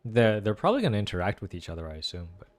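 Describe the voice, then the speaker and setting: A man's voice: lowish voice, sing-song, racing, a little mellow, faint music behind. A young man giving casual, slangy gaming commentary with lots of exclamations. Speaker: game streamer reacting to a story quest.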